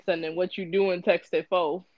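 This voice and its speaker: A woman's voice: on the low side, little pitch movement, normal speed, highs cut off, a little hiss or hum. A woman with an African American accent in casual, playful podcast banter, full of slang. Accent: African American English. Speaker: podcast co-host; bartender.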